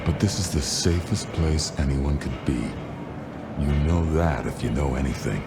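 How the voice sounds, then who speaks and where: Low, wry underworld proprietor. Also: male voice, loud music behind the voice. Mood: calm, firm. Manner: wry, unhurried, folksy slang. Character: unflappable male underworld venue keeper, discreet, wry vampire. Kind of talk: noir video game dialogue.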